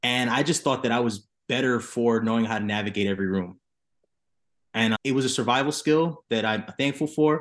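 A man with a normal speaking voice, medium pitch and ordinary pitch variation, at a fairly quick pace against a quiet background. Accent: American. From New York (Bronx) and US South. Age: 30s. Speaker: singer-songwriter. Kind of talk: casual chat.

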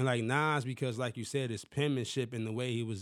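With an American accent, a man talks at a fairly quick pace and a medium pitch in a monotone, flat intonation. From US Midwest, Milwaukee north side. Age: 30s. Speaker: hip-hop producer and beat maker. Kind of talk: casual interview chat.

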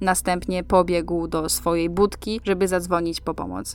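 A woman talks at a moderate pace. Behind her there is music in the background. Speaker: true crime podcast host. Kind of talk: scripted narration.

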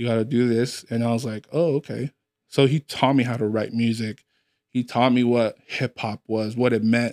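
Recorded very cleanly with a silent background and a dry, close sound with no echo, a man speaks at medium pitch and a moderate pace with monotone, flat intonation. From California, US. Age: 30s. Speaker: rapper. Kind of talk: casual interview. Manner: soft-spoken.

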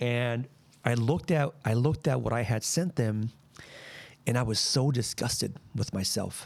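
A man with a plain, everyday voice speaks at a moderate pace and medium pitch, with ordinary pitch variation, on a very clean recording with a silent background. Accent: American. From Los Angeles, Boyle Heights. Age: 40s. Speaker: exoneree, wrongfully convicted former prisoner. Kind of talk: casual interview, life story. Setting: studio.

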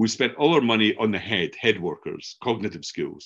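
Over a quiet background, the talking holds a moderate pace. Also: man. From Scotland, Edinburgh. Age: 60s. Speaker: education technology expert. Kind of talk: interview conversation. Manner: animated.

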